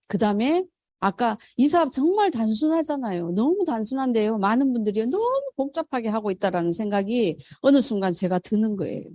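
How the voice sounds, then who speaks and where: A woman's voice: sits high, darkish tone, no room sound, clean studio sound. A middle-aged woman leading a motivational sales seminar, who poses questions to the audience, answers them herself, and acts out quoted phone calls. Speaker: network marketing sales leader.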